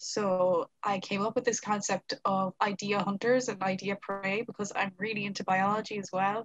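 A woman with a Cork accent speaks at a medium pitch in a flat monotone, somewhat breathy, at a moderate pace with hardly any pauses. The sound is dry with no echo. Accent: Cork Irish. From Ireland, Cork; Ireland. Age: 20s. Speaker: artist; interviewee. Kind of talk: interview. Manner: halting. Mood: relaxed, smiling, chatty. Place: home room. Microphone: video call.

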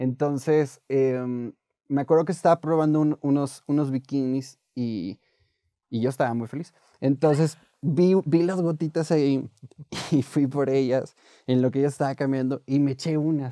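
Fairly high pitch from a man, dark and mellow in tone, fairly even intonation, a fairly slow pace, a quiet background and a dry sound with no echo. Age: young. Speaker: rock drummer; interview guest. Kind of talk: interview conversation. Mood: reflective, personal, somewhat hesitant. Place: studio.

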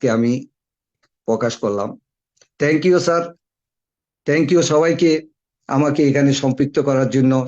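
In an unremarkable speaking voice, a man of fairly high pitch talks with ordinary pitch variation. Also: very even loudness. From Bangladesh. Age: 60s. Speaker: retired engineer, network marketing distributor. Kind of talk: testimonial speech at a business meeting.

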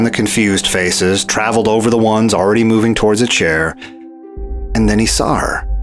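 A man at a moderate pace, fairly low in pitch, with music in the background. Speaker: narrator. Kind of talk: fiction narration.

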